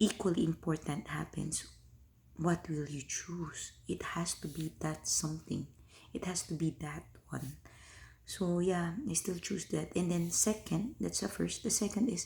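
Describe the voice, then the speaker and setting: A woman whispering at a fairly slow pace, with vocal fry. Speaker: life coach. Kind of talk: video diary reflection. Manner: unscripted, halting.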